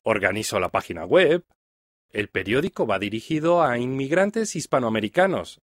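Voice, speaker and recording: A middle-aged man from Mexico with a Mexican Spanish accent, reading a first-person text aloud for language learners in a clear, even delivery. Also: mid-range voice, dry recording, studio quality. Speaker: reader of a listening text.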